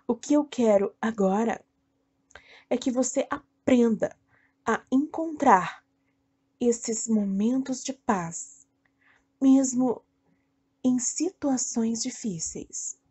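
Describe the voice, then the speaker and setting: A Brazilian woman leading a guided meditation in a soothing, deliberate way, speaking in short phrases with long pauses. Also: a little high, warm tone, husky. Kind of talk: guided meditation, self-hypnosis narration.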